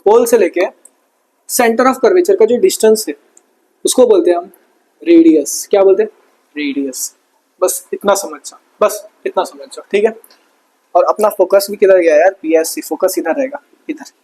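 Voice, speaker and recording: A young male teacher with a high, husky voice runs an online lesson. He keeps firing each term back as a question and drops in playful asides between points. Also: normal speed, a little mellow, rough recording. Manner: repeats terms as quiz questions, joking asides.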